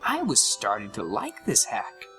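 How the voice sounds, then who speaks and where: Animated male story narrator over music. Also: on the low side, unhurried. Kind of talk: scripted first-person horror story narration.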